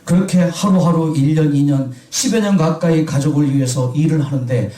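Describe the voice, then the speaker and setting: A man's voice: a little high, moderate pace, warm tone, reverberant, distant mic, rough recording. A man preaching a sermon who keeps asking his congregation questions and then answering them himself. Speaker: pastor.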